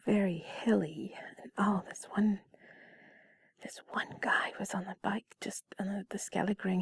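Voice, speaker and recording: A woman telling a personal story in an intimate, cuddly, breathy whisper, soft, rambling and confiding, as if to one listener. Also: mid-range voice, no echo. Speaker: intimate audio creator.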